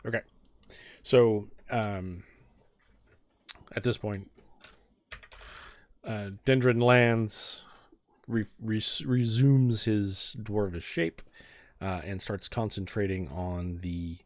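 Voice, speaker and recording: Very deep-voiced man running a tabletop game. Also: steady tone, darkish tone, no echo. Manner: halting, many ums while describing scenes. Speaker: dungeon master. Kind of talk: narrating an online tabletop game.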